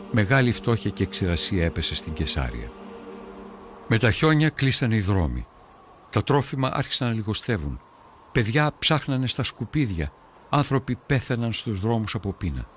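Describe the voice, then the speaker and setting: An actor narrating as a devout early-Christian man who tells, in earnest first person, of a crisis of faith and hard times. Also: lowish voice. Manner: earnest, prayerful, brooding. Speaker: documentary narrator.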